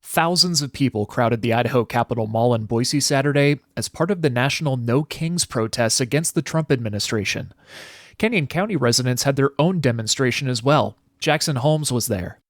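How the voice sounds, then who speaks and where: A man's voice: mid-range voice, no echo. American male news reader, dry studio sound. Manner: measured, formal news-reading delivery. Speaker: news anchor and podcast host. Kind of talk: news reader delivering scripted headlines.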